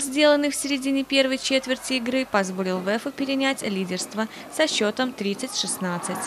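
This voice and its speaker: A woman reading a sports news report as a voice-over, steady and formal. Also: medium pitch, slight background noise.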